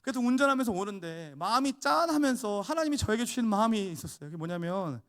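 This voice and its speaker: A man's voice: very high-pitched, lively intonation, quick pace, a bit bright. A man in his thirties preaching a sermon as pastor, telling stories with acted-out dialogue and building to emphatic peaks.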